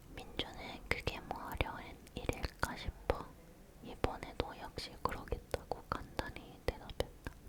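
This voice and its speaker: A whispering woman at a very slow pace, with noticeable background noise. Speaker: ASMR creator. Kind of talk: bedtime book reading. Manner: soft-spoken, slow.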